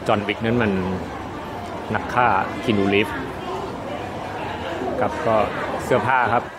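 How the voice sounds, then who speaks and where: A man's voice: fairly low pitch, fairly even intonation, unhurried. A man giving a chatty, polite walking tour of a crowded indoor market, recorded on a handheld phone camera. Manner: chatty, polite, points things out as he walks. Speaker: vlogger touring a fair. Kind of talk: casual walking tour commentary. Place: crowded indoor market hall under a big tent. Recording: loud crowd and noise behind.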